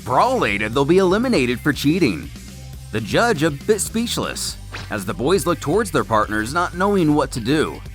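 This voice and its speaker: A man's voice: a little high, sing-song, moderate pace, fairly bright tone, faint music behind. A man narrating a scripted story recap in a theatrical, wordy storytelling manner. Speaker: narrator of a comic recap series.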